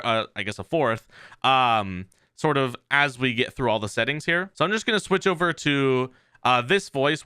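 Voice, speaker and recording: Man, casual tutorial presenter, lively swooping pitch, crisp voice, conversational step-by-step explaining. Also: dry recording, clean studio sound. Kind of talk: casual software walkthrough.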